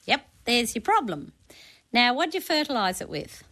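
A woman's voice: a little high, sing-song, moderate pace, bright, forceful tone. An Australian woman on talkback radio, giving practical advice in a chatty, colloquial way as the resident expert. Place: radio studio.

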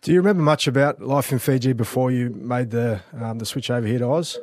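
A man's voice: medium pitch, fast talker, darkish tone, no room sound. A man co-hosting a podcast, chatting loosely about sports and interviewing a guest. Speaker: podcast co-host. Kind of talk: casual sports chat and interviewing.

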